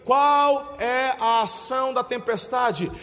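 A Brazilian man preaching a sermon, telling stories and calling his listeners brother, swinging between hushed moments and loud shouts. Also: very high voice, slow pace, in a large hall. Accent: Brazilian Portuguese. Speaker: pastor.

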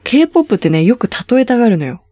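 A woman's voice: on the high side, big pitch swings, quick pace, warm tone, no room sound. A woman hosting a casual Korean lesson, explaining patiently and lifting her voice on key words. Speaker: Korean language teacher host. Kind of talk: casual language lesson chat.

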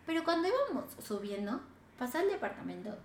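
A woman with a Mexican accent hosting a podcast, telling a story in animated casual chat, swearing a lot and acting out what people said. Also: high voice, a little fast, reverberant, slight background noise. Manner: animated, swears a lot, acts out quoted dialogue. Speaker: podcast host.

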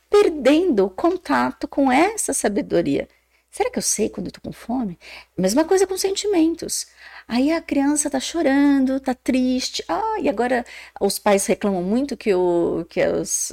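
A Brazilian woman psychologist talks as a podcast guest, her fairly high voice swooping up and down as she explains. There is a gravelly fry under her words, and she keeps checking in with her listeners with short questioning tags. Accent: Brazilian Portuguese. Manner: animated, acts out quoted voices, many "né?" tags.

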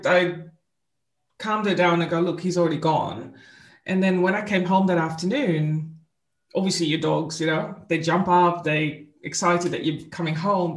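A woman from the Netherlands, a spiritual coach telling her story as an interview guest in an earnest, unhurried way. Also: lowish voice, echoey room. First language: Dutch.

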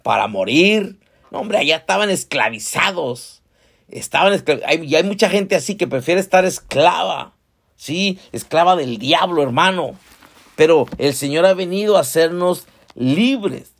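A man's voice: on the high side, expressive, moderate pace, breathy edge. A male pastor preaching a sermon conversationally, often calling the congregation brothers and asking them questions.

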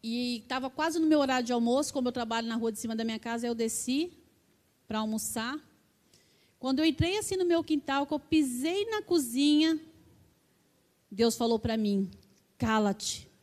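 Preaching with fervent personal testimony, a middle-aged Brazilian woman frequently tags her lines with "né" and speaks with a Brazilian Portuguese accent. Her high, somewhat dark voice is animated and moves at a moderate pace.

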